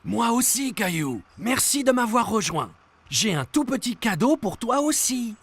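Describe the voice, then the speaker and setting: A woman voicing a gentle, reassuring grown man in a children's cartoon dub. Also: fairly high pitch, sing-song, measured pace, breathy edge, full character voice. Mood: friendly. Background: background music.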